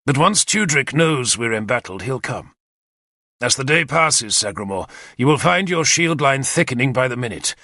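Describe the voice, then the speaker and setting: A man voicing a confident, energetic male war leader who lays out battle plans decisively. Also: medium pitch, normal speed, no echo, studio quality, voice pushed up. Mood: commanding. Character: bold confident male warlord commander.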